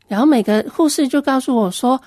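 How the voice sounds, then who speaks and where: High-voiced woman. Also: a little fast, a little mellow, no echo, clean studio sound. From Hong Kong. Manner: earnest, plain storytelling. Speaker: Christian ministry worker giving a testimony. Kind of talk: personal testimony storytelling.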